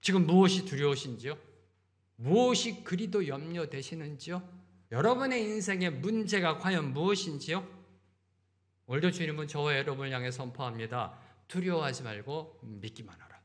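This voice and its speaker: A middle-aged male pastor preaching a sermon in a church, full of rhetorical questions and repeated phrases, swinging between loud emphasis and quiet asides. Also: fairly high pitch, expressive, moderate pace. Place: church sanctuary.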